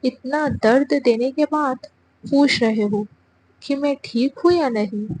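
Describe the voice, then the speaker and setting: Woman playing a sulky young heroine, reproachful, tearful, audio story, fairly high voice. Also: a little mellow, slight background noise, close to an everyday voice. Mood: bitter.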